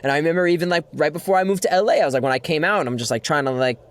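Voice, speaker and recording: A man's voice: fairly high pitch, rapid-fire. A man hosting a podcast interview, chatting casually and speaking in an effusive, admiring way. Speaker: podcast host.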